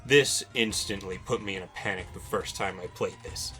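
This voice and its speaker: A man's voice: sits low, moderate pace. A young adult man hosting a video game countdown with informal, personal commentary and wry asides. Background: music.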